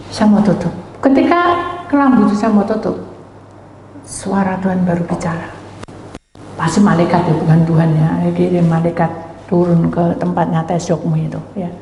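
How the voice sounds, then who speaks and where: A woman pastor preaches in a low, warm voice. She tells her testimony dramatically, sinking to near whispers before lifting again. Her voice rings through a large echoey hall with a long reverb tail, and faint room noise sits underneath. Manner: dramatic storytelling, drops to near whispers then rises. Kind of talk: sermon with personal testimony.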